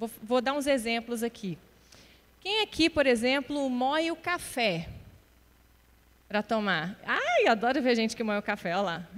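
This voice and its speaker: A woman with a Minas Gerais accent speaks in a high voice at a fairly slow pace, with very wide pitch swings. Long, frequent pauses break her speech amid noticeable background noise. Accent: Minas Gerais Brazilian Portuguese. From Brazil, Minas Gerais. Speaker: tech company industry lead, conference speaker. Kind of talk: conference talk.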